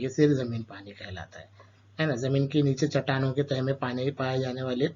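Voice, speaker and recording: A man's voice: mid-range voice, darkish tone, slight background noise. A man teaching a school lesson to children, asking questions and answering them himself, with an Urdu-speaking Indian accent. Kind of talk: explaining a school chapter to children. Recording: dull lo-fi sound.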